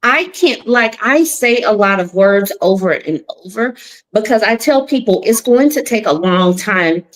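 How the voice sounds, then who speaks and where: A woman in her mid forties co-hosts a casual live chat, her voice pitched in the middle for a woman. She talks in an easygoing way with plenty of ums and leans on catchy rhymes. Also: lively intonation, a little slow, poor audio. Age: 40s. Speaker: co-host.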